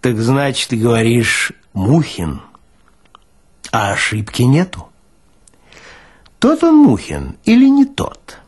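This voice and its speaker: Man playing a pompous, stubborn older morgue orderly, husky. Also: mid-range voice, huge pitch swings, slow, long pauses, heavily acted. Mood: stolid, pedantic. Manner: pompous, pedantic, colloquial. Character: stolid older morgue orderly, self-important, unhurried, stubborn.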